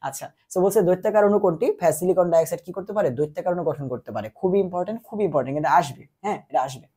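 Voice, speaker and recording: Young male tutor, feverish, husky, mellow; drills questions and answers back. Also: sits high. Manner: repetitive call-and-answer teaching, quizzing the listener. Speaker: chemistry tutor. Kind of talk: exam-prep lecture.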